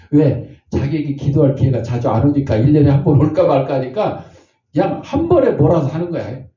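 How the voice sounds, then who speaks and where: A man's voice: a little high, lively intonation, fairly quick, mellow. An older man preaching a sermon as pastor, telling folksy stories and acting out the voices of the people in them. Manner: folksy storytelling, acts out voices. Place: church sanctuary. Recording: echoey, distant, dull church recording.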